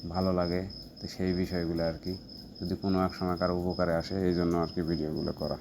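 Monotone, flat intonation marks a man's very deep, low voice. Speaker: vlogger and migrant garment worker. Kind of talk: casual vlog monologue. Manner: halting, loosely organized.

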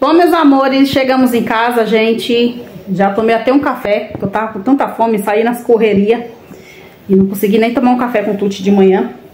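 Moderately paced female speech with ordinary pitch movement and audible echo from the room. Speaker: home vlogger. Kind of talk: casual vlog chat. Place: kitchen. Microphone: phone near.

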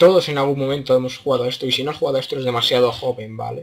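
The man speaks very fast. His voice sits at a medium pitch. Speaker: gaming youtuber. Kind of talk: gameplay commentary. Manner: animated.

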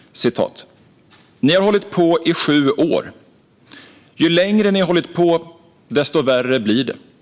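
At a fairly slow pace, a man with a high pitch and ordinary pitch variation talks with long, frequent pauses. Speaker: politician, party justice spokesperson. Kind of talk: parliamentary debate speech. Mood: firm, critical. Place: hall. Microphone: podium.

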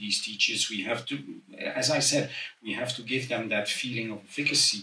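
Audible room echo around a man's speech, with ordinary pitch variation. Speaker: panelist. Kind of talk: panel discussion answer. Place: stage.

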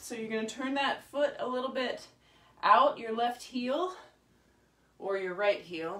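Audible room echo follows a woman whose fairly high voice has a bright, sharp tone at a moderate pace. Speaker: fitness instructor. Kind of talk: live-streamed fitness class, barked exercise cues and countdowns. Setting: video call. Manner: brisk, energetic, encouraging, rhythmic counting. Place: home room. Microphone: camera far.

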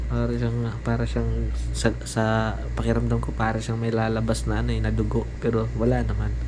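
A man's very deep, low voice, fairly quick, monotone and flat, with very even loudness and noticeable background noise. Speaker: vlogger. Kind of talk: casual vlog chat. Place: kitchen. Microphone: phone near.

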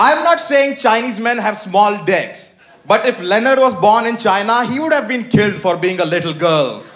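A man's high-pitched voice at a moderate pace, with lively intonation and hardly any pauses. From India. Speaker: comedian roasting China. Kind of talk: stand-up roast comedy. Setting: stage with live audience. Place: stage. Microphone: handheld.

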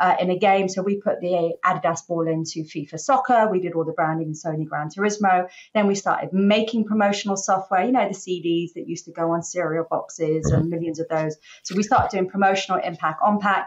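A woman with a southern English accent at a fairly quick pace, hardly any pauses, ordinary pitch variation and a quiet background. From England. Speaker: business consultant. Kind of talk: interview. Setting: video call. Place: home room. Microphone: webcam.

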